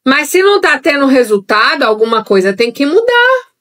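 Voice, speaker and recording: A woman's voice: high voice, very animated, moderate pace, fairly bright tone. A young adult woman leading a live-streamed Bible study in a conversational way, speaking straight to her viewers. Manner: conversational, talks directly to viewers. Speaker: Bible teacher.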